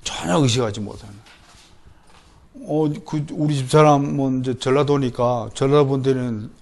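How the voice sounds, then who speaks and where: A middle-aged male pastor with a Gyeongsang accent, preaching a sermon lecture in a lively, animated way, often mimicking others. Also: mid-range voice, moderate pace, creaky. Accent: Gyeongsang Korean. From Gyeongsang region, Korea. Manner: lively, animated, mimics people in quoted voices.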